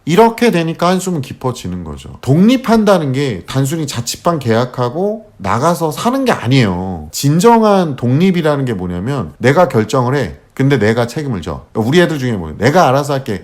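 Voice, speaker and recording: A man's voice: a little high, darkish tone. A man giving blunt, slangy advice to parents in a lecture-style talk, acting out what parents and kids say. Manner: acts out quoted parents and kids.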